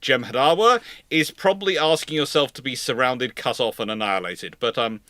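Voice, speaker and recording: A man's voice: medium pitch, fairly quick, sharp tone, no echo, studio quality. A man hosting a live question-and-answer chat casually, rambling and often restarting his sentences. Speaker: host of a live naval history question show.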